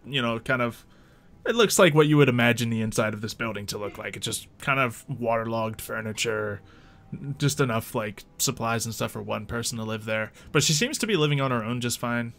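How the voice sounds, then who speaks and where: A man with a bright voice improvises scenes as game master. His narration is informal and halting, with faint music underneath. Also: medium pitch, creaky.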